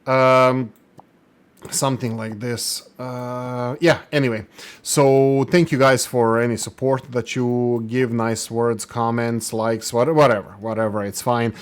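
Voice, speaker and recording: A man's voice: mid-range voice, flat delivery, unhurried, clean tone. A man from Croatia commenting casually over his own gameplay, rambling with many fillers and restarts, self-deprecating. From Croatia (Slavonia). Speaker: gaming channel host. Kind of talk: casual let's play commentary.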